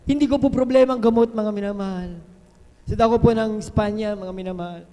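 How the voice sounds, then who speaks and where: A man giving a fervent testimony at a worship service, repeatedly addressing the congregation and breaking into loud hallelujahs. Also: high voice, fairly quick. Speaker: church member giving testimony. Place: church worship hall. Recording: long hall reverb on a live stream.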